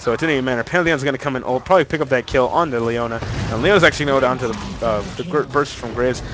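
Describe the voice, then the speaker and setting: A man talks at a very fast pace with ordinary pitch variation. Noticeable background noise sits behind him. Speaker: game commentator. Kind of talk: live commentary. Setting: live stream. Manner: animated.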